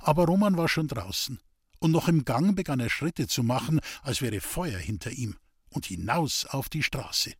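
A man reading a classic novel aloud as an audiobook, in measured storytelling style. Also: mid-range voice, lively intonation, breathy edge, no echo, studio quality. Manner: measured storytelling, giving the characters rural dialect. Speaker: audiobook narrator.

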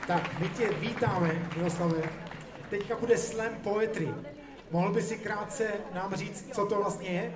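High-voiced male moderator over crowd. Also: a little slow. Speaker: event moderator and interpreter. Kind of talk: live stage moderation. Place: outdoor market square festival. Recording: echoey open-air PA with crowd. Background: crowd chatter.

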